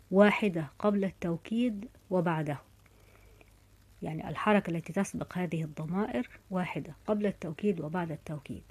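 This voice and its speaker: Mellow-voiced woman teaching grammar. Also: on the low side, slightly rough. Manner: methodical, says example verb forms slowly and carefully. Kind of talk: explanatory grammar lesson.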